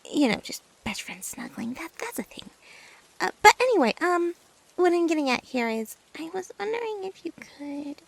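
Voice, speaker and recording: A woman's voice: high voice, vocal fry, exaggerated voice, rough recording. A woman playing a nervous, lovestruck girl best friend in an ASMR roleplay, stammering and hesitant, often dropping toward a whisper. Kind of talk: ASMR roleplay acting, addressed to the listener.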